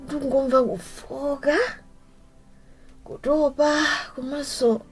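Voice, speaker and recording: Dazed, hesitant young Malawian woman, soft-toned. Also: sits high, steady tone, faint music behind. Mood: dazed, weary. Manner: hesitant, halting. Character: confused, weary young woman struggling to remember the night before. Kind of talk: vernacular radio drama acting.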